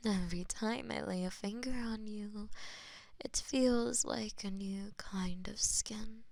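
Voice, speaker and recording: A woman playing a possessive, lovestruck goddess of death in an intimate romantic audio roleplay, with a breathy, theatrical delivery that often drops to whispers. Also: mid-range voice, slow pace, a little mellow, dry recording. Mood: drowsy affection.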